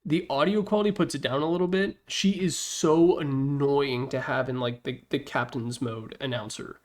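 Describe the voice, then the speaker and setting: A man's voice: medium pitch, normal speed, a little mellow. A man presenting a ranking video with casual, opinionated commentary, informal and mildly profane, with wry asides. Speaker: presenter of a tier list slideshow video.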